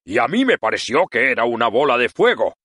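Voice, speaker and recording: A cowardly lion, as a male storyteller puts him on, drawing his words out slowly. His voice stays near the reader's own, lively in tone, in a dry, close recording. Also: mid-range voice, breathy edge, no room sound, heavily acted. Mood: timid.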